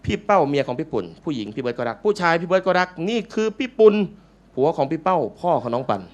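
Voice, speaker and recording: A Buddhist monk giving a playful, joking dharma talk to a live audience in a large meeting hall. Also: male voice, a little high, expressive, racing, muffled recording.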